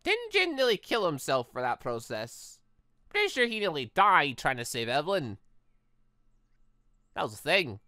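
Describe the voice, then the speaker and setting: Gaming commentator, medium pitch, animated, rambling, exclamatory, dry close sound. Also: normal speed, long pauses, dry recording. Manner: exclamatory, rambling, self-interrupting. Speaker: gaming video host. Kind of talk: playthrough commentary with read-aloud dialogue.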